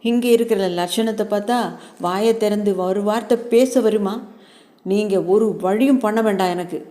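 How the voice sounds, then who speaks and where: A woman's voice: medium pitch, steady tone, normal speed, mellow, lightly acted. A woman voicing an angry, aggrieved older mother who scolds and pities herself in a long tirade. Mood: bitter scolding. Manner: scolding, self-pitying tirade.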